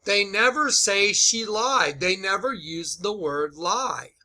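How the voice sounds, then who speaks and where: A man's voice: high voice, animated, slow pace, bright, forceful tone. A man giving informal commentary on clips, speaking in an emphatic, repetitive and incredulous way. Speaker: online video commentator. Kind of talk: informal opinion commentary over played clips.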